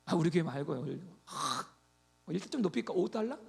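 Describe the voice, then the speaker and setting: A man preaching a sermon as pastor, animated, swinging between loud exhortation and quiet asides. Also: on the high side, brisk, gravelly.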